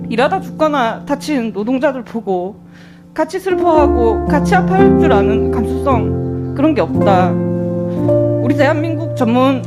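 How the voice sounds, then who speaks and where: Young woman lawmaker firing indignant questions, high-ish lively voice, soft guitar under it. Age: 20s. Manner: pointed, indignant, rhetorical questions. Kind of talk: parliamentary questioning. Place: national assembly hearing room. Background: faint guitar music.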